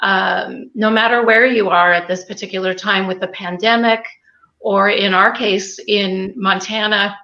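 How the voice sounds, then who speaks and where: Chatty woman guest, bright tone, dull lo-fi call audio from a kitchen. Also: medium pitch, fairly even intonation, a little slow. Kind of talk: casual video call chat. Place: home kitchen. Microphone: video call.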